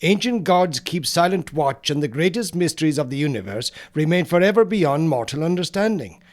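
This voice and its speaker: A man reading a scripted horror audiobook in a solemn, measured storytelling manner, with dramatic pauses and phrases that fall away at the end. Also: on the high side, animated, darkish tone.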